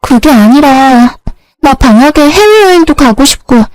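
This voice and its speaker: A woman's voice: high-pitched, lively intonation, measured pace, darkish tone, dry recording, faint music behind, voice pushed up, poor audio. A woman voicing an earnest young woman who insists on explaining herself to her older sister. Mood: insistent.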